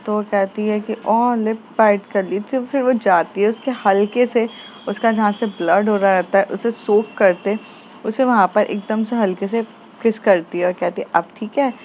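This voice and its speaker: A woman narrating a romance story in a casual, chatty way, with fillers as she goes. Her voice sits at a middle pitch, and the recording is slightly dull with faint background noise. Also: fairly even intonation, moderate pace.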